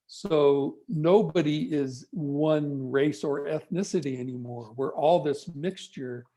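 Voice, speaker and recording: A man giving a measured, storytelling talk over a video call. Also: fairly high pitch, dark tone, poor audio. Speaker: guest speaker. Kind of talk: reflective talk on an online event.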